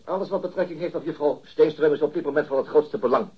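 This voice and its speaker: An actor playing a formal, persistent police detective questioning a witness in a radio drama, politely insistent. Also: male voice, on the high side, fast talker, husky, dull audio. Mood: insistent, pressuring. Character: male police detective inspector, formal, persistent, coolly pressuring. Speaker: interrogating police officer. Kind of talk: radio drama dialogue, interrogation.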